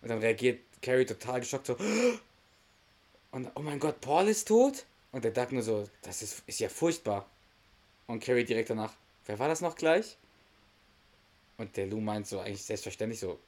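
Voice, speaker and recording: A man's voice: lowish voice, fairly quick, a little mellow. A man hosting a podcast, casually retelling a sitcom episode, often laughing and acting out the characters' lines. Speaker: podcast host.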